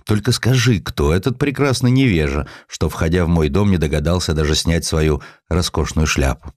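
A man voicing a poor, ailing ex-sailor turned postman, gruff, proud and kind-hearted, with blunt, salty, plain-spoken delivery in an audio story. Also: sits low, normal speed, darkish tone, no room sound, clean studio sound, lightly acted. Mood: tender, proud.

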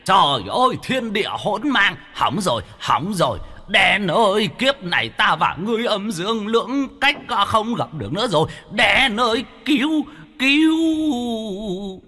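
A man's voice: wildly swooping pitch, slow, bright, forceful tone, long reverb tail, heavily acted. A man voicing an old, lecherous, pompous male ghost who calls himself an official, in a storybook ghost tale. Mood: panicked wailing. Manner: sleepy drawling mumble, then shrill wailing panic.

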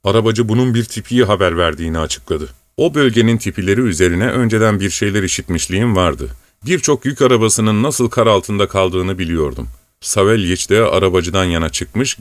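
A man narrating an audiobook in a measured, storytelling manner. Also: fairly low pitch, no echo. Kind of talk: scripted narration.

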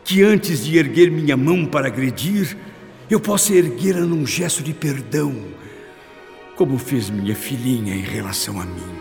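An actor playing a tormented, repentant middle-aged father in a Brazilian radio drama, speaking solemnly and earnestly with deliberate phrasing. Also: medium pitch, animated, vocal fry, over music. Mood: anguished, pleading. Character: tormented, repentant father seeking faith and self-control.

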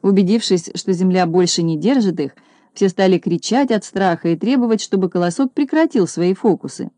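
A woman narrating a children's storybook, steady and expressive. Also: mid-range voice, normal speed, no room sound. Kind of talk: storybook reading.

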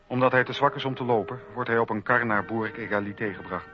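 A man narrating a scripted radio documentary in a measured, formal storytelling manner on a lo-fi recording. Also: mid-range voice, faint music behind.

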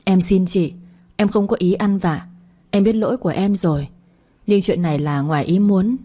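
A woman's voice: medium pitch, normal speed, mellow, natural voice. A woman reading a story aloud, voicing a young pregnant mistress who begs and pleads tearfully. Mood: pleading. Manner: begging, tearful.

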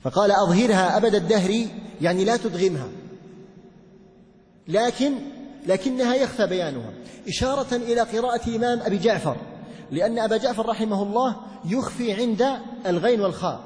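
A male religious teacher giving a classroom lesson, explaining step by step, quizzing his students and chanting verses slowly. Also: sits high, lively intonation, a little mellow, long reverb tail. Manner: recites verses in a slow chant.

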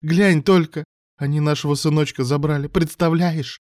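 Man putting on a shrill unhinged young woman. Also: fairly even intonation, normal speed, a little mellow, no room sound, clean studio sound, natural voice. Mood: frantic pleading. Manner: shrill, frantic pleading. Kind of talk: audiobook character voice.

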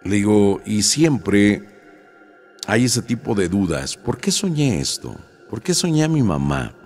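Deep-voiced man telling stories. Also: big pitch swings, a little slow, a little mellow, soft background music. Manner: conversational, recounting dialogues with frequent fillers. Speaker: storyteller. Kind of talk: casual storytelling to an audience.

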